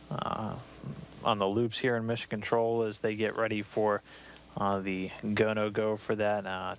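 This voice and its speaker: An American man giving live launch commentary in a measured, matter-of-fact way. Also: on the low side, a little hiss or hum.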